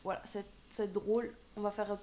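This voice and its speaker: A woman's voice: medium pitch, level tone, normal speed, noisy background. A woman in her twenties with a French accent, chatting playfully as a live streamer and switching into accented English. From France. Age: 20s. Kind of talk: casual live stream chat.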